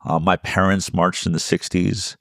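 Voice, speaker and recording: Man, 50s, interview host, very deep voice, dry close sound, relaxed chatty questions. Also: moderate pace, vocal fry, dry recording. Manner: relaxed, conversational, with frequent "um" fillers. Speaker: podcast host. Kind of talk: casual interview conversation.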